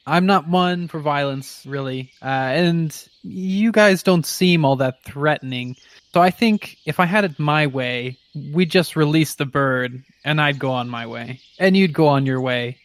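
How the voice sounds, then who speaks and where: A man playing a confident, righteous male ranger who speaks firmly and deliberately in a tabletop game. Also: fairly high pitch, dry recording, close to an everyday voice. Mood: calm, firm.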